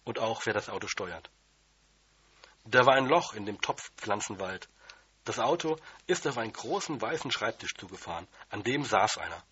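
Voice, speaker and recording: A man's voice: on the low side, animated, moderate pace, sharp tone, husky, no room sound, lo-fi sound. A man reading a children's story aloud in the first person, in a plain, childlike manner. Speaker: audiobook reader.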